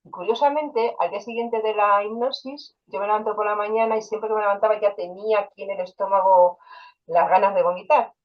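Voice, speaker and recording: A woman's voice: mid-range voice, fairly even intonation, brisk, dull audio. A woman, an interview guest and hypnotherapist, telling personal stories in a casual way and quoting dialogue along the way. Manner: personal storytelling with quoted dialogue and fillers.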